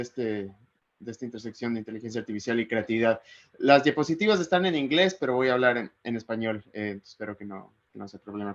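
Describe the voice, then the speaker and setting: A man from Ecuador, giving a relaxed academic talk over a video call and thinking aloud as he goes. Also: mid-range voice. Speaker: guest speaker. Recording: slightly muffled video call audio.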